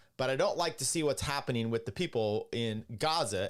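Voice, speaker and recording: A man talks in an ordinary speaking voice at a moderate pace with a medium pitch and ordinary pitch variation. The recording is very clean, with a silent background. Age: 50s. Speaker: podcast host. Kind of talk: political commentary reacting to clip.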